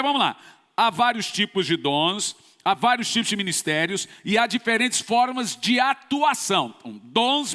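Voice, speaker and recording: High, forceful preaching man in reverb. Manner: emphatic, forceful preaching with sudden bursts. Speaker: pastor. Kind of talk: sermon. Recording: long church reverb.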